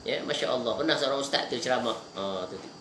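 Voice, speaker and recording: A man giving a religious lecture, lively and emphatic, swinging between raised, pressing lines and hushed, low asides. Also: quick pace. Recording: echoey room with faint background noise.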